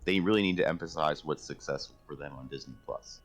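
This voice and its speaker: A man's voice: very deep voice, fast. A man co-hosting a podcast in casual chat. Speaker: podcast co-host.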